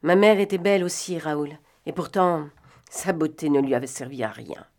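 A woman's voice: low voice, normal speed, darkish tone, close to an everyday voice. A woman reading aloud as a weary, guilt-ridden young adventuress who murmurs her confessions. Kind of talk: audiobook reading.

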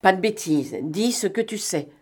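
A woman reading aloud and voicing a cunning male gentleman thief who talks in a mocking, bantering way and snaps out brisk orders. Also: medium pitch, animated, breathy edge. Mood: commanding. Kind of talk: audiobook reading.

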